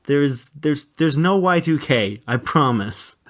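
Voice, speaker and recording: Male comedy co-host: exasperated, patient explainer with lively, swinging intonation. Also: fairly high pitch, slow. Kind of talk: comedy skit banter.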